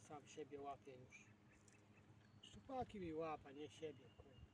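A man's voice: on the high side, lively intonation, unhurried. A man giving casual, muttered commentary while fishing outdoors from a boat, talking partly to himself. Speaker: fishing show host. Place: outdoors, on a boat on open water. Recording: windy, noisy outdoor recording, distant mic.

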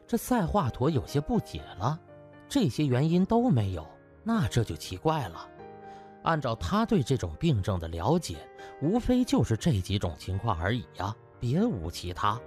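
A man's voice: mid-range voice, huge pitch swings, normal speed, a little mellow, soft background music. A man narrating a comic novel as a scripted, dramatic audiobook.

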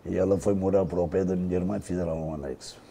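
An older Portuguese man, a podcast guest, slowly recalling his family's past in a halting, unhurried way with many restarts. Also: low voice, fairly even intonation, gravelly, very noisy. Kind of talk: casual reminiscing.

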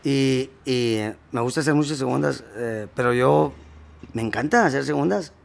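A man's voice: medium pitch, moderate pace, gravelly. A male singer, talking casually in an interview, rambling with many restarts and slang.

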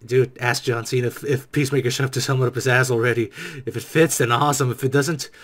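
A young adult man giving casual, joking reaction commentary, excitably echoing lines he hears. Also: medium pitch, quick pace. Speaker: reaction video creator. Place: small dark room indoors.

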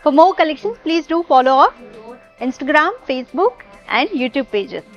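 A high-voiced woman presenting for a jewellery store speaks expressively but extremely slowly, giving a cheerful sales pitch in Telugu mixed with English. It's a product showcase in a jewellery showroom. The voice track is dull and lo-fi, with faint music.

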